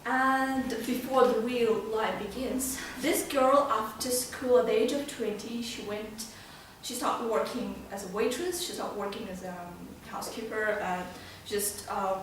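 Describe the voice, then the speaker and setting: Female club speaker, slightly high voice, hesitant prepared delivery, distant echo-heavy recording. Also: unhurried. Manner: hesitant, restarting phrases often. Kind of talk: prepared amateur speech. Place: meeting room, recorded from a distance. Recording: very echoey room, distant mic, faint noise.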